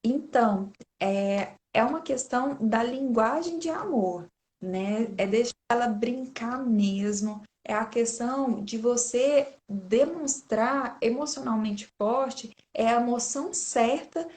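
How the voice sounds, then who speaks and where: A woman in her thirties with a Brazilian Portuguese accent gives an informal online talk about raising children, often turning to her listeners. Her voice is slightly high and a little mellow, and she speaks slowly. She's chatty as a parenting speaker and keeps calling her audience "gente."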